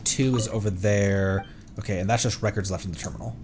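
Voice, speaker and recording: A man's voice: on the low side, steady tone, fairly quick, background noise. A man livestreaming a game, reading its text aloud and reacting casually, sometimes stumbling over words and correcting himself. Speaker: livestream host, VTuber.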